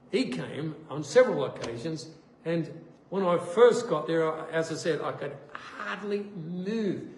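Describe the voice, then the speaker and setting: A man giving a sermon testimony, an animated storyteller who acts out the voices in his stories. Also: a little high. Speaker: preacher. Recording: echoey room with faint noise.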